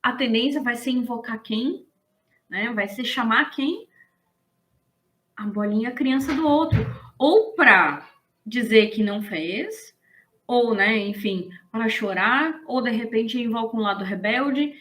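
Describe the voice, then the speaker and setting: A woman teaching in a casual, lively and blunt way, often slipping into acted quotes. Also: fairly high pitch, takes it slowly. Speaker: business coach. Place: indoors, streaming to an online audience.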